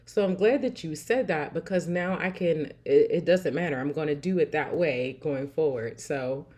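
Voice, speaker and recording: A woman hosting a casual livestream, chatting warmly, laughing often and reading out viewer comments. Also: sits low, moderate pace. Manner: warm, chatty, laughs often, repeats "I love it". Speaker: livestream host.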